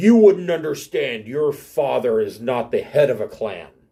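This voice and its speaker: Growling in a put-on character voice, a man speaks at a moderate pace in a fairly high pitch with very wide pitch swings. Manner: growling, sassy.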